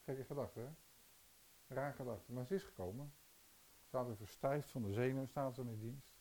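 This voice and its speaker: A man's voice: medium pitch, brisk, dark tone, poor audio. A man preaching a sermon, telling stories and putting rhetorical questions to his listeners. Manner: storytelling, rhetorical questions to the audience.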